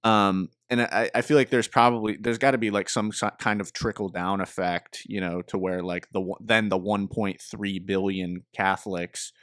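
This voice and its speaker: A young man with a fairly low voice chats on a podcast, thinking out loud in a loose, tentative way. The sound is dry and close on a remote call mic. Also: fairly even intonation, normal speed, few pauses, no echo. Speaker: podcast co-host. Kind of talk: casual chat.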